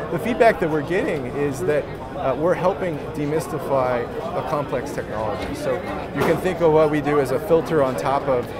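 A man's fairly quick speech over loud background noise. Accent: American. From Texas (Galveston). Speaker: crypto research company founder. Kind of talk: event interview. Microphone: lapel.

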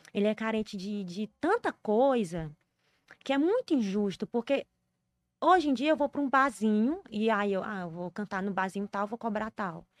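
In a Ceará accent, a woman speaks at a moderate pace with a fairly high pitch, an animated tone and lively intonation. The sound is dry with no echo, against a quiet background. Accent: Northeastern Brazilian (Cearense) Portuguese. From Ceará, Brazil (Chaval); Ceará, Brazil. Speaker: forró singer; interview guest. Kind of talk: casual interview chat. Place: studio. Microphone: studio mic.

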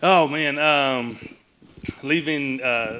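In a North Carolina accent, a man talks with a fairly high pitch and a bright, sharp tone. His intonation stays fairly even over light background noise. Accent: US South, North Carolina. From Pembroke, North Carolina. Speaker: former pro football player. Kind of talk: onstage interview. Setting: stage with audience. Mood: warm, honored, reminiscing. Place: hall. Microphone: handheld.

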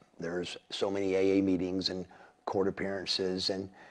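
A man's fairly low pitch at a moderate pace. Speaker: person in addiction recovery. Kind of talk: testimony. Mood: earnest, reflective. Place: studio.

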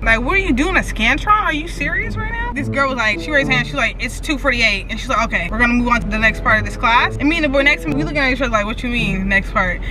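Over clear background music, a woman talks very fast with hardly any pauses, and the sound is dry with no echo. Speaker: college cheerleader vlogger. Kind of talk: casual vlog chat. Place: car.

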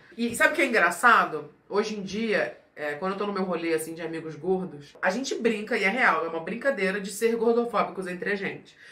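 The delivery is fairly quick with hardly any pauses, lively intonation and an animated tone. Audible room echo surrounds the voice. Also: woman, medium pitch for a woman. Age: 30s. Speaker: youtuber. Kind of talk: casual vlog monologue. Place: home room.

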